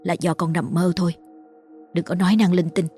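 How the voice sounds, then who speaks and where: A woman's voice: lowish voice, normal speed, soft background music, natural voice. A woman voicing a widowed mother in a ghost story, grieving and frightened yet trying to soothe her child, with a tearful, pleading manner.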